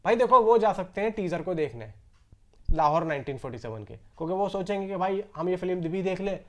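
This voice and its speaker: Male film news host, high-pitched voice, casual conversational delivery, repeats points and talks straight to viewers. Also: expressive, fairly quick, a little mellow. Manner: conversational, repeats himself, addresses viewers directly.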